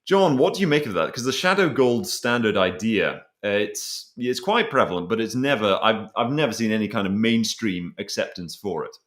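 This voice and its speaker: A man with a fairly low voice speaks as the host of a discussion. His delivery is conversational and discursive, as if he is working out his thoughts while he talks. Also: expressive, normal speed, few pauses. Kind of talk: conversational interview about finance.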